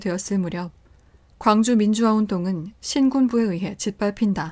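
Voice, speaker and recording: A woman's plain, everyday voice at a medium pitch, moderate pace and fairly even intonation, on a very clean recording with a silent background. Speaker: audiobook narrator. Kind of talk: audiobook essay reading. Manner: soft-spoken.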